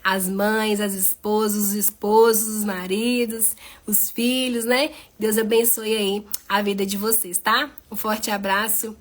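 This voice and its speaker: A woman's voice: mid-range voice, level tone, a little slow. A woman preacher leading a fervent live prayer, repeating "Father" through every phrase, then blessing her viewers. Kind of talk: warm closing blessing to viewers. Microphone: live stream.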